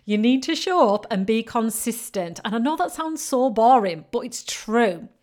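A woman's voice: on the high side, lively intonation, moderate pace, a little mellow. Emphatic northern English woman coach. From northern England. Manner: emphatic, repetitive encouraging delivery. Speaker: business coach. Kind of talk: motivational podcast monologue.

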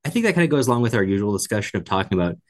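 Low-voiced man discussing books as co-host. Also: very animated, very fast. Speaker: podcast co-host. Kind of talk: conversational book discussion.

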